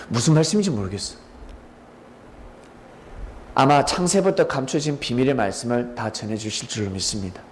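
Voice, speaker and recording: A male pastor giving a dramatic storytelling sermon, pausing to quiz listeners by name. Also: medium pitch, a little mellow, a little hiss or hum. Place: church sanctuary.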